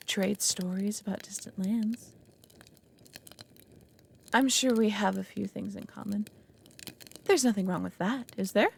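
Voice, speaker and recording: A woman playing an anxious, possessive dragon in an ASMR roleplay, halting and formal, often dropping into breathy half-whispers. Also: medium pitch, slight background noise. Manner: halting, earnest, formal wording. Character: anxious, lonely, possessive female dragon, awkwardly smitten. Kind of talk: ASMR roleplay audio drama.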